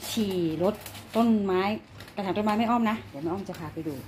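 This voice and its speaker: A woman's voice: medium pitch, a little fast, a little mellow. Woman rambling to her pets at home, baby talk, noisy phone vid with animals around. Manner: chatty, coos and baby-talks to her pets. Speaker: pet-owner vlogger. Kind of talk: casual chat filming her pets.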